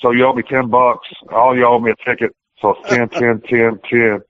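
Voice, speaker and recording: A man's voice: medium pitch, level tone, normal speed, dry recording. A man, a pro wrestler giving a casual interview, who rambles in plain-spoken, colloquial and sometimes profane speech. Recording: tinny phone-like radio interview audio.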